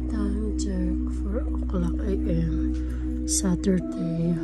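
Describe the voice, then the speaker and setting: A woman's voice: lowish voice, steady tone, drawn-out words, loud music behind the voice. A woman with a Filipino accent doing casual vlog chat as a mother, slipping easily between languages. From Philippines. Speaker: vlogger and mother.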